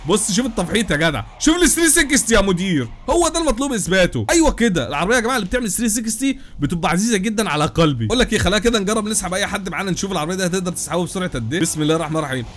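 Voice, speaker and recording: A young man with an Egyptian Arabic accent giving excited gameplay commentary, exclaiming, laughing and talking straight to his viewers. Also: high-pitched, rapid-fire, hardly any pauses. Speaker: gaming YouTuber.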